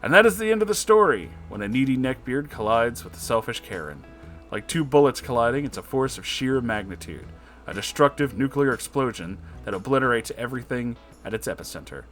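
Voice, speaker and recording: A man's voice: mid-range voice, sing-song, fairly quick, fairly bright tone, faint music behind. A man narrating a comedic story as host, with an emphatic, dramatic storytelling delivery.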